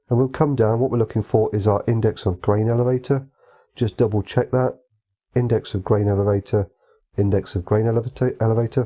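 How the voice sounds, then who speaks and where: A man calmly walking through a software modding tutorial, explaining each step methodically. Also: on the low side, muffled recording. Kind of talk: screen-recorded tutorial walkthrough.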